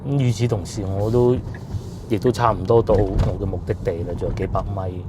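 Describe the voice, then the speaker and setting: A man's voice: on the low side, fairly even intonation, fairly quick, noisy background. A man with a Cantonese accent giving rambling, casual vlog narration while riding through streets outdoors. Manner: chatty, rambling with fillers. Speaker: food vlogger.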